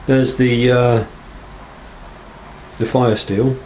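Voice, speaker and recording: A man's voice: medium pitch, steady tone, drawn-out words, darkish tone. Hesitant man, noisy workshop recording. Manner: hesitant, unscripted, understated. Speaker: knife maker presenting work. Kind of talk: casual workshop show-and-tell. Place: small block-walled workshop. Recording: camera audio with clear background noise.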